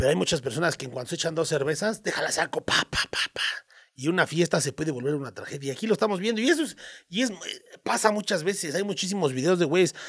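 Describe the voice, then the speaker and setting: A man speaks at a very fast pace with a Mexican accent. His high-pitched voice sounds animated against a quiet background. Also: lively intonation. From Mexico. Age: 40s. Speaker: firearms channel host and shooting instructor; firearms channel host, shooting instructor. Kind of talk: casual vlog monologue; casual podcast commentary. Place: home room. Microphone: studio mic.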